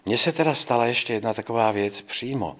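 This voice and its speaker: An older man, a Catholic priest, recounting his memories in an interview with calm, firm conviction and acting out the dialogue he recalls. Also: medium pitch. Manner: storytelling, acts out quoted dialogue.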